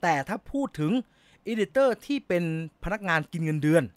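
A man's voice: high-pitched, animated, moderate pace, no room sound. A middle-aged man hosting a casual live chat, reading viewer comments and answering in chatty bursts, laughing easily.

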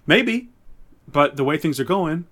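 A man co-hosting a podcast in casual conversation, hedging and softening his opinions as he goes. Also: fairly high pitch, lively intonation, a little slow. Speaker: podcast co-host. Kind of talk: casual chat reviewing superhero TV.

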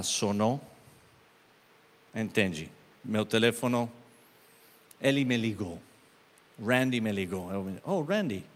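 A man preaching a sermon and telling a story, impassioned, his voice swinging from hushed to loud. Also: on the low side, in a large hall.

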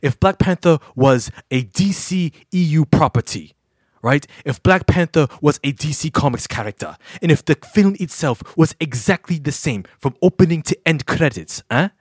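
A man's voice: a little high, animated, moderate pace, no room sound, studio quality. A man putting on a stammering Nigerian scold. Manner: stammering, repeats words, insults and scolds. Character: scolding Nigerian man ranting at a rival fan. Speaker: podcast co-host. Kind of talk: comic rant on a podcast.

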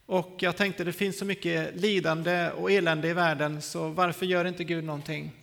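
Man, forties, sermon testimony, animated storytelling, raised pitch, reverberant hall. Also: creaky. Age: 40s. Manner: lively storytelling, acting out scenes. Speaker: preacher. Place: church hall.

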